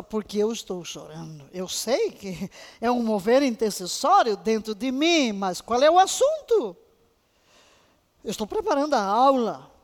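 A woman Bible teacher giving a fervent, emotional lesson on intercession, now and then breaking into soft laughs. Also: fairly high pitch. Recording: long hall reverb.

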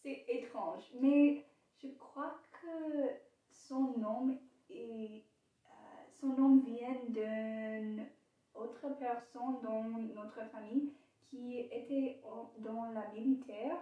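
A woman's voice: fairly high pitch, steady tone, drawn-out words, phone-quality sound. A teenage girl chatting carefully and hesitantly in a second language she is learning. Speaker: student podcaster. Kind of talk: casual chat in learner French. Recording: echoey room, distant from mic.

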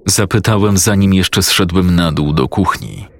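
A man narrating a horror story in the first person with a slow, measured, ominous reading. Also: sits low.

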